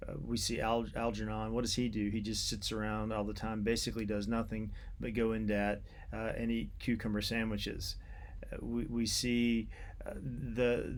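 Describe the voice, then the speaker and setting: A man giving an unscripted academic literature lecture in a halting, deliberate way, repeating words as he explains. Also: on the low side.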